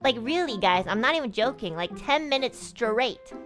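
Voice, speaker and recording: High-voiced young woman, animated storytelling. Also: moderate pace, faint music behind. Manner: animated, swearing, laughing, acts out her past self loudly. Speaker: streamer. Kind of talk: casual storytelling chat.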